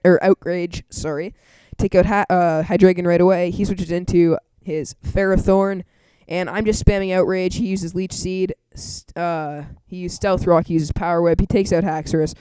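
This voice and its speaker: A man giving casual voice-over commentary on his online game battles, chatty and quick to laugh at his own frustration. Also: sits high, a little mellow, smooth, no room sound. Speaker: channel host.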